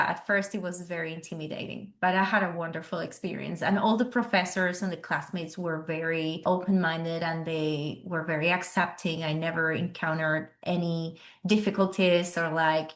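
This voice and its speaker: Young Argentine-accented woman, Spanish first language, sincere graduate guest on a video call. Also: fairly low pitch. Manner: earnest, careful, grateful. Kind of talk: interview over video call.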